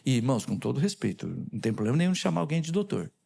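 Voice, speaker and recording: A man's voice: mid-range voice, racing, gravelly, slightly rough. A man with a Brazilian Portuguese accent preaching a sermon as a pastor, who puts questions to the congregation and retells conversations. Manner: animated, quizzes the congregation with questions. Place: church sanctuary.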